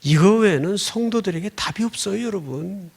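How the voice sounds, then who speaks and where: A middle-aged man preaching a sermon, telling a story with dramatic swings, from loud outbursts to near-whispers, and prompting the congregation for responses. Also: high-pitched, expressive, moderate pace, creaky, breathy edge. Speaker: pastor.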